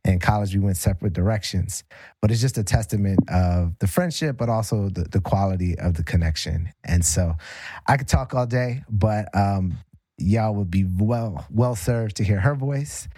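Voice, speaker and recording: A man from California hosting a casual talk in halting, reflective phrases. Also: lowish voice, mellow, no echo. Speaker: podcast host.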